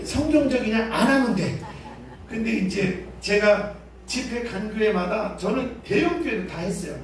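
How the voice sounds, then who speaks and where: Shouting man pastor in an echoey hall. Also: high-pitched, normal speed, distant mic, a little hiss or hum. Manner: loud, shouted cries of prayer, animated and joking. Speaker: pastor leading a revival seminar. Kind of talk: revival sermon with call-and-response. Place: large church hall.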